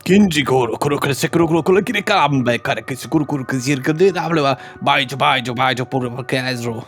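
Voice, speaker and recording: A man voicing a giant wisdom frog from a vision, with croaks and mystical pseudo-Japanese chanting. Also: mid-range voice, normal speed, fairly bright tone, soft background music, natural voice. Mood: cryptic, mystical.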